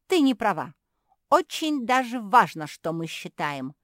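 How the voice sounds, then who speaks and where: A woman voicing a stubborn, greedy little girl creature in a storybook, talking shrill, loud and insistent. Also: sing-song, a little slow, no room sound, clean studio sound.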